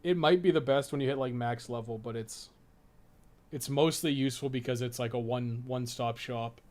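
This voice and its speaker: A man's voice: medium pitch, moderate pace, a little mellow. A man giving casual, rambling, sweary gameplay commentary as a streamer. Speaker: game streamer and podcast co-host.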